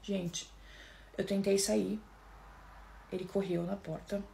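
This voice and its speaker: A Brazilian woman with a Brazilian Portuguese accent recounts her own story to viewers. Her voice has a gravelly, fry-edged texture at a middle pitch. She speaks softly, haltingly, and keeps calling out to her listeners. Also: level tone, a little hiss or hum. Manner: soft, halting, often restarting, keeps addressing listeners. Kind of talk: personal storytelling to camera.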